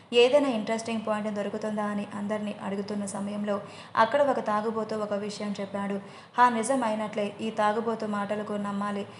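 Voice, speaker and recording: A man's voice: high-pitched, echoey room, slight background noise. A woman doing a pushy scheming young man. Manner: pushy, insistent.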